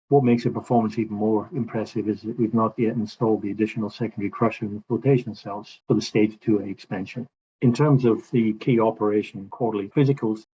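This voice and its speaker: Low-voiced male executive on muffled call. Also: a little mellow. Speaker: company executive presenting results on an earnings call. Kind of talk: corporate earnings call presentation. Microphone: conference call line. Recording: muffled conference call with clear noise.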